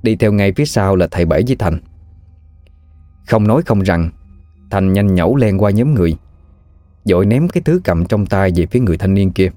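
A man narrating a ghost story in a steady, even storytelling manner. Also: sits low, a little fast, long pauses, no echo, faint music behind.

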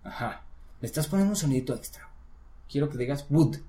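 A man's voice: medium pitch, lively intonation, brisk, mellow. A man tutoring a student in English, explaining step by step in a patient, encouraging way. His voice sits in a middle register, and the room around him adds a noticeable echo. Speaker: English teacher. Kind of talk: one-on-one language lesson. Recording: roomy echo.

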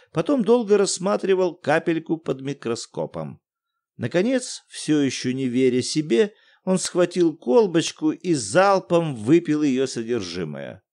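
A man narrating a humorous story aloud in an animated, theatrical manner. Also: fairly high pitch. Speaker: audiobook narrator.

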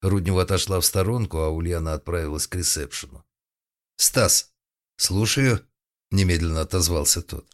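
Deep-voiced male audiobook narrator. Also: fairly even intonation, fast, hardly any pauses.

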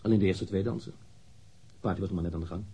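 A man's voice: sits low, steady tone, very fast, warm tone, breathy edge, heavily acted. An actor playing a guarded, reluctant engineer in his thirties being questioned in a radio drama, answering curtly and somewhat irritably. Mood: guarded, matter-of-fact. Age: 30s.

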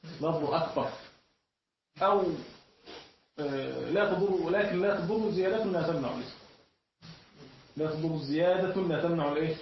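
A man teaching a classroom lesson, often pausing mid-sentence so his students can finish his words. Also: fairly high pitch, slight background noise. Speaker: teacher of Islamic jurisprudence. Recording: echoey, distant, dull room recording.

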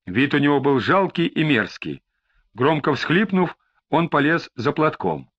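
A male narrator reading a crime novel expressively. His voice sits a little high and moves animatedly. The recording is slightly dull and lo-fi. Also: big pitch swings, unhurried, a bit bright. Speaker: audiobook narrator.

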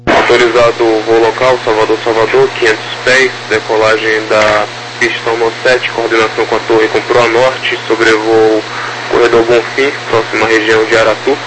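A Brazilian man works as a tower controller over a crackly radio channel with clear static. He delivers procedural clearances in an even, flat tone. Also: on the low side, moderate pace. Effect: crackly aviation radio transmission.

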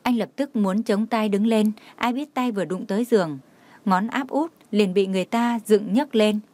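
Lady reading a romance story aloud, even steady tone, dry no-room sound. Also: medium pitch, moderate pace, dry recording. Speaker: narrator. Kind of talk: audiobook narration.

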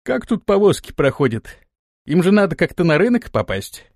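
A man's voice: high-pitched, sing-song, normal speed, darkish tone, no echo, clean studio sound, voice pushed up, full character voice. A man voicing a petulant, indignant young man in an audiobook. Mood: eager.

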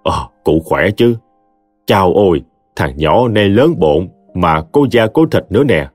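A man's voice: deep voice, lively intonation, dry recording, soft background music. A man voicing a kind old great-granny. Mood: gentle. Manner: slow, gentle. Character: kindly elderly great-grandmother, soothing.

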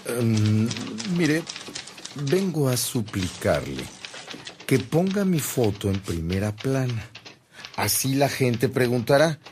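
A man's voice: medium pitch, big pitch swings, slow, noisy background. An actor playing a devout, humble Catholic priest in a radio drama, courteous and pleading in his manner. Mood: earnest, pleading. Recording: music bed behind the voice.

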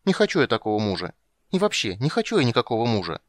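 A man voicing a stubborn, bossy little runaway princess who whines and sniffles in a high childish voice. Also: big pitch swings, fast talker, dry recording, clean studio sound, close to an everyday voice. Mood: petulant. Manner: high petulant childish whining.

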